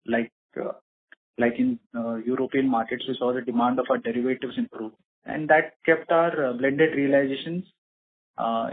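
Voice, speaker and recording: Heard through a slightly rough, muffled narrowband phone line, an Indian-accented man speaks as a corporate executive taking investor questions on a conference call. His pitch sits in the middle, his tone is a touch rough, and his answers in this earnings Q&A are measured and formal.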